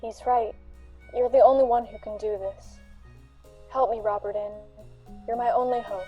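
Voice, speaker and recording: A woman's voice: on the high side, steady tone, moderate pace, dark tone, muffled recording, soft background music, close to an everyday voice. A woman playing an earnest, caring female friend of a detective in an amateur radio drama. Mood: pleading.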